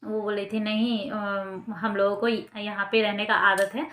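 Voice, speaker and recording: A woman's voice: mid-range voice, flat delivery, unhurried, fairly bright tone, echoey room. A young adult woman vlogger telling a personal story in a casual, rambling way with many fillers.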